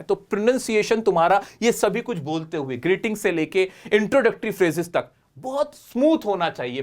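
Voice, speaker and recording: A man teaching spoken English in a lively, coaxing classroom manner. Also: high-pitched. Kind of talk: classroom lesson.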